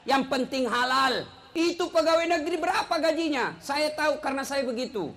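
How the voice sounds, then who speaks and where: A middle-aged man preaching a humorous sermon, teasing the crowd and breaking into shouts. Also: very high voice, fairly quick, noisy background. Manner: joking, teasing, storytelling, bursts of shouting.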